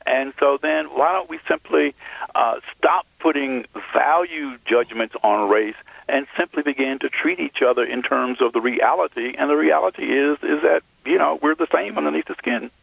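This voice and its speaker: Author guest, male, gravelly voice, phoned in over a thin line, thoughtful and halting. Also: medium pitch, no room sound. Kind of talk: phone interview. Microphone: telephone. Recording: tinny phone line, dry.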